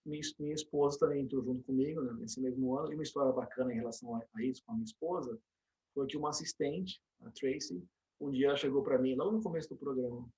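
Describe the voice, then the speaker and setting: A middle-aged Brazilian man being interviewed, telling animated stories with frequent restarts and tag questions. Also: mid-range voice, quick pace, rough recording. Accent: Brazilian Portuguese. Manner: storytelling, animated, many restarts and "né?" tags. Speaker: interview guest, dentist and program director. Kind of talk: casual interview conversation.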